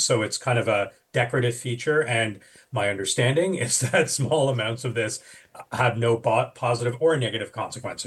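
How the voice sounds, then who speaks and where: A man's voice: lowish voice, breathy edge. A man, a physician guest on a radio panel, explaining a medical topic in a thoughtful way with fillers and restarts.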